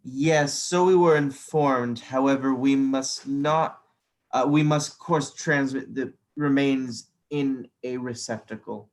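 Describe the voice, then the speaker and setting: A man's voice: medium pitch, slow, close to an everyday voice. A stiffly polite funeral director played by a man in a virtual script read. He speaks formally and a bit hesitantly, in a mid-range voice with an officious, prim manner. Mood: prim, patient. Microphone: video call.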